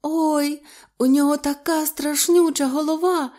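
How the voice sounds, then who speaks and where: A woman's voice: high-pitched, fairly even intonation, measured pace, mellow, pitched above the performer's own voice. A woman voicing a frightened, tearful young woman who shrieks and cries out in panic. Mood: panicked.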